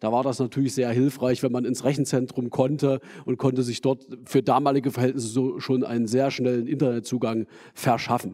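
A man's dark, mellow voice, fairly quick and monotone, against a quiet background. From Thuringia, Germany (Ilmenau); Thuringia, Germany. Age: 40s. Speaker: politician. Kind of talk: panel debate. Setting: lecture hall with audience. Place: hall. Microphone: handheld.

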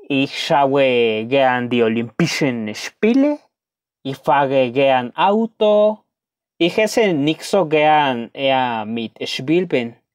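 With a Mexican accent and lively intonation, the speaker goes at a very slow pace over a quiet background. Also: man. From Mexico. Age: 30s. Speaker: YouTuber, German learner. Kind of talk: language practice monologue. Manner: halting, with fillers. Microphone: webcam.

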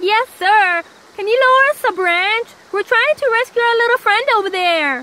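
At a moderate pace, the speaker uses a put-on character voice with an extremely high pitch. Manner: upbeat.

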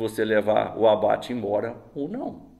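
A man speaks against a quiet background. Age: 40s. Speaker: airgun shooting youtuber. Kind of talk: casual tutorial to camera. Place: home room. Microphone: camera far.

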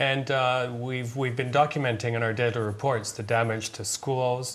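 A man speaks at a medium pitch in a flat monotone. His pace is fairly slow. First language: English (speaking Russian). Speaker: spokesperson for an international monitoring mission. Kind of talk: TV studio interview via interpreter. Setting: TV studio. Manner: hesitant, many fillers. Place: studio. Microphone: lapel.

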